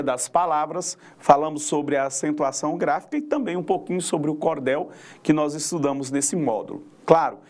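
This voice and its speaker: A man with a Brazilian accent, his voice sitting somewhat high, walks through a recorded grammar and poetry lesson. He explains things patiently, step by step, and keeps checking in with little tag questions. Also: darkish tone. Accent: Brazilian Portuguese. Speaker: teacher.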